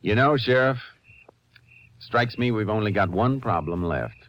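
An actor playing a shrewd, steady Texas Ranger with a laconic, folksy manner in a 1950s radio drama. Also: male voice, fairly low pitch, muffled recording. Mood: firm, confident. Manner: laconic, folksy, unhurried authority. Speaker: lead actor and narrator. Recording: noisy vintage radio recording.

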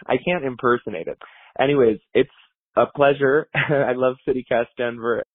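A man's voice: medium pitch, steady tone, moderate pace, husky, no echo. A man leaving a friendly, slightly rambling voicemail as a caller to a show. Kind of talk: voicemail message. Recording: tinny phone line voicemail.

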